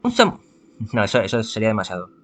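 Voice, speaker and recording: His voice sits on the low side yet swings hugely in pitch, fast and fairly bright in tone. The Spanish-accented man from Spain reads a visual novel aloud, stumbling, correcting himself often, and tossing in asides.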